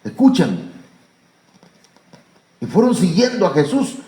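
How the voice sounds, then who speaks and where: A man with a Mexican Spanish accent preaching a sermon as pastor, pausing on fillers and rising to emphatic high calls. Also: very animated, mellow. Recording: echoey church room.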